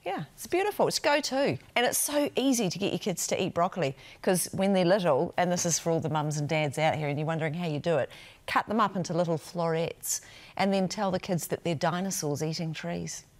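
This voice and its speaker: A middle-aged woman with a New Zealand accent chatting in an animated way as a TV presenter in a studio. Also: on the low side, fairly quick. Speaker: TV news presenter. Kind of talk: casual co-host banter.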